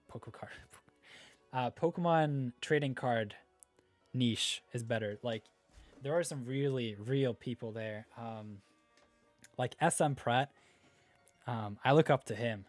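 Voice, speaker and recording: A man's voice: mid-range voice, a little mellow. A man from Norway with a Norwegian accent, hosting a gaming livestream in laid-back, rambling chat while reading viewer comments. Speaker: livestream host.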